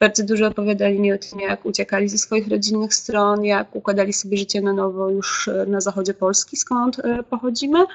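A woman speaks at a fairly quick pace with fairly even intonation and hardly any pauses. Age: 20s. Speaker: journalist. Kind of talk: webinar lecture. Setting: video call from home. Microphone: webcam.

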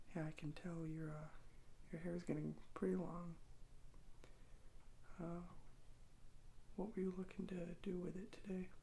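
Soft-spoken and calm in tone, a man talks at a high pitch and a moderate pace with monotone, flat intonation, long and frequent pauses, and light background noise. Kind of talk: ASMR role-play talk. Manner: soft-spoken calm salon chatter. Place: home room. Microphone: phone near.

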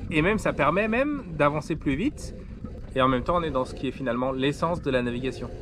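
The man speaks very fast with lively intonation. His sound is dry with no echo, though there is noticeable background noise. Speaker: sailor vlogger. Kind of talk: casual vlog chat. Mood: enthusiastic, reflective. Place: boat. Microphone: phone near.

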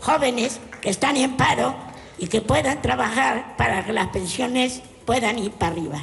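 A woman speaks at a high pitch with lively intonation. Her pace is moderate, and there is light background noise. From Spain. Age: 80s+. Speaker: audience member. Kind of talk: audience member speaking on a TV talk show. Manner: outspoken, indignant. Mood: earnest, indignant. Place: stage. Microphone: handheld.

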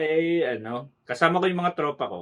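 An unremarkable speaking voice from a man, fairly high in pitch, at a moderate pace with lively intonation. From Philippines, Baguio (Igorot). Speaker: BPO employee, Instagram model. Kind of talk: casual interview.

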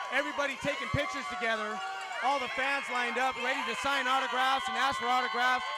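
A man races along at a very fast pace, his dry, echo-free sound set against loud background noise. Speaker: roller derby commentator. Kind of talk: live sports commentary. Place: hall. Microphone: handheld.

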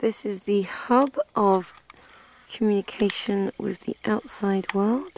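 In a British accent, a woman speaks very slowly in a playful tone with fairly even intonation. Noticeable background noise runs underneath. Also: medium pitch for a woman, dry, close sound with no echo. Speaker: vlogger. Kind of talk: mock tour-guide commentary, deadpan spoof narration. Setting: outdoors, walking around a village. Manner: playful mock-formal guide tone.

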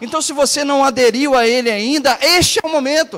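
A man at a moderate pace, his pitch extremely high. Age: 30s. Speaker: pastor; preacher. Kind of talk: sermon. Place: church. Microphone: handheld.

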